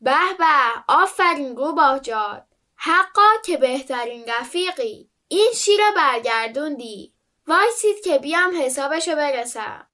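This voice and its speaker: Woman as a puffed-up donkey for a kids' story: swaggering, high, animated. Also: hardly any pauses, exaggerated voice. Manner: swaggering, bluffing. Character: boastful bluffing male donkey. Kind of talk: children's storybook reading.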